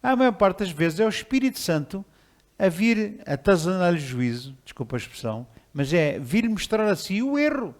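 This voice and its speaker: Pastor, male, somewhat high-pitched voice, casual, lively sermon delivery. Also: moderate pace. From Portugal. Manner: conversational, animated, with chuckles and repeated restarts.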